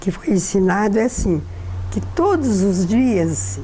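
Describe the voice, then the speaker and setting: At a fairly slow pace, a woman speaks in a medium pitch with a dark, mellow tone. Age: 80s+. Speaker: retired schoolteacher. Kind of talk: family testimony. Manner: halting, with repetitions.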